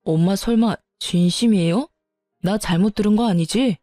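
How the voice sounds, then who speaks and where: A woman's voice: mid-range voice, moderate pace, mellow, no echo, clean studio sound, faint music behind, close to an everyday voice. A woman voicing a young husband who protests with agitation in a storytelling video. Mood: heated. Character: heated young husband defending his wife.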